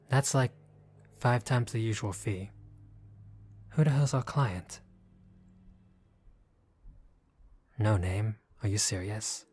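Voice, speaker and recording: Wary young gangster for hire, played by a male actor, lowish voice, gruff but decent, sardonic and guarded, audio roleplay drama. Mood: incredulous, annoyed. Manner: guarded, sardonic, casual street talk.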